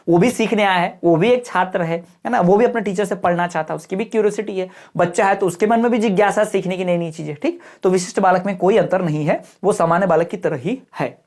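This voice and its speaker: A male teacher delivers an exam-prep lecture into a close microphone. He explains each textbook point in everyday speech and keeps tagging his sentences with short check-ins. He slows his delivery to stress the key terms. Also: high-pitched. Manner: explains textbook points in plain talk, tags lines with "thik hai" and "bhai".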